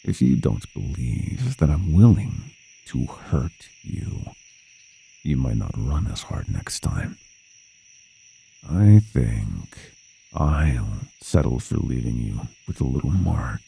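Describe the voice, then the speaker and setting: Very deep, gravelly predatory monster. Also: male voice, animated, dark tone, slight background noise, exaggerated voice. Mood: gloating, playful menace. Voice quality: gravelly, breathy, often whispering. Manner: slow, taunting, menacing, savoring. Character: sadistic, playful predatory clawed monster hunting humans. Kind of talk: horror ASMR roleplay.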